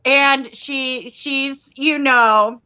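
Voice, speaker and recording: A woman chats as a guest on a livestream from home, her voice high and bright. She speaks slowly and easily, laughing between phrases. The audio is dull and lo-fi. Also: steady tone. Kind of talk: casual chat.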